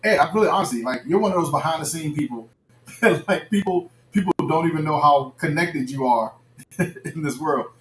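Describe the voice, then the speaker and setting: A man hosting a casual chat, asking quick, eager questions. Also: on the high side, a bit bright. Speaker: host. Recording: echoey room, faint noise.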